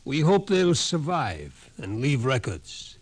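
An actor playing a wry, doom-saying psychology professor in a 1950s radio drama, dry and theatrical, on a vintage recording. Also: male voice, medium pitch, huge pitch swings, slow, slightly rough, exaggerated voice. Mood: wry, matter-of-fact. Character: scrawny male psychology professor, wry, ominous doomsayer.

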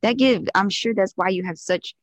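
A woman's voice: mid-range voice, moderate pace, dry recording. A woman hosting an interview podcast, enthusiastic and effusive, with many exclamations. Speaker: podcast host.

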